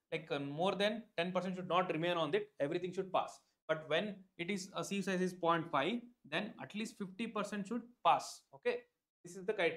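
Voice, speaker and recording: A man's voice: sits high, a bit bright. Chatty Indian man teaching a live class. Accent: Indian English. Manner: chatty, repeats himself, many "like" fillers, addresses viewers by name. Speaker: online exam tutor. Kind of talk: live-stream lecture.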